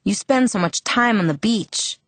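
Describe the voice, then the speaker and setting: A woman's voice: medium pitch, expressive, unhurried, no echo. Woman reading a blunt, protective teenage boy. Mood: sombre.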